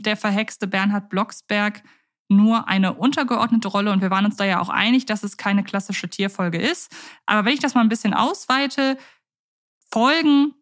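A woman co-hosting a podcast, chatting casually and thinking aloud with fillers. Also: mid-range voice. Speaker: podcast co-host.

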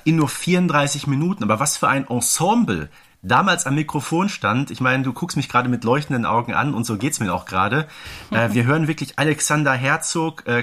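A man's voice: medium pitch, fairly bright tone. A man co-hosting a podcast, chatting casually with gushing, fannish enthusiasm. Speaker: podcast co-host. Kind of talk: casual chat, analysing a radio play.

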